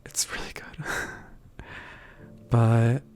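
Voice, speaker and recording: Slow, mellow, gently hesitant kind stranger played by a man. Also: whispered. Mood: warm, attentive. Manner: gentle, hesitant, softly chuckling, halting with thinking pauses. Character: kind, slightly awkward young man, gentle stranger befriending you. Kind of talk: ASMR roleplay, soft casual conversation.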